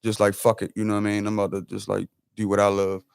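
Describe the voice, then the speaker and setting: A man's voice: lowish voice, completely flat delivery, very fast, creaky, clear, resonant tone, dry recording, clean studio sound. A man in his forties talking loosely and laid-back in a casual podcast chat.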